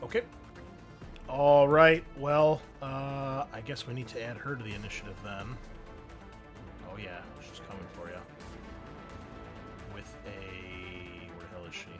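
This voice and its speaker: A man's voice: on the low side, fairly even intonation, a little slow, pauses often. A man running a tabletop roleplaying game as game master, talking casually, swearing now and then and thinking aloud. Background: background music.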